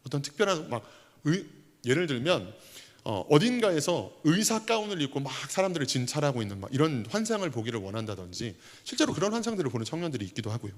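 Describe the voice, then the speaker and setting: A man's voice: on the high side, very animated, fast. A man in his thirties, an associate pastor, preaching a conversational sermon with prayers voiced aloud. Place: church sanctuary. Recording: long church reverb.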